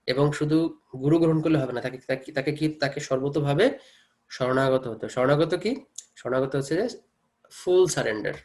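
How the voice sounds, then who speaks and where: A man's voice: fairly high pitch, expressive, darkish tone. A man with a Bengali accent teaching a scripture class. He explains with rhetorical questions, often checks that listeners follow, and mixes English words into his talk. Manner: reads verses slowly, chants Sanskrit. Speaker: Gita teacher.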